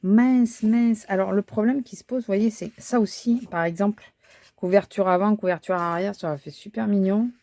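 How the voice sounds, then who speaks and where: A woman's voice: medium pitch, brisk, gravelly, a little mellow, dry recording. A woman thinking aloud as she crafts, talking casually with frequent fillers and restarts. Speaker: crafting vlogger. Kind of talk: casual chat while crafting.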